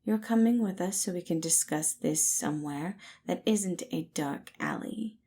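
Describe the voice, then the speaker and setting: A woman voicing a calm, cool man who speaks with composed, brusque authority in an audio story. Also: fairly low pitch, unhurried, slightly rough. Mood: cool, firm.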